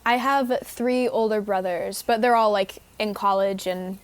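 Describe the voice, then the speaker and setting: A young woman speaks in an easygoing, conversational way as an interview guest. Her speech is loose and relaxed, sprinkled with filler words and small restarts. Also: mid-range voice, a little slow, smooth. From Houston, Texas. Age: young adult. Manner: casual, lots of "like" fillers. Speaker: guest actor. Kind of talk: casual interview chat.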